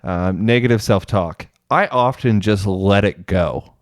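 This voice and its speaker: A man's voice: lowish voice, a little slow, no echo, clean studio sound. A man co-hosting a podcast as a mental health professional, speaking candidly and self-deprecatingly, thinking aloud with fillers. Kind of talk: casual podcast conversation.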